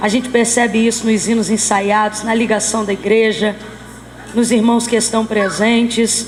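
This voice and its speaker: A woman with a fairly high pitch speaks at a moderate pace in a flat monotone, her loudness very even, with audible room echo and noticeable background noise. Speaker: missionary preacher. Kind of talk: sermon. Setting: church.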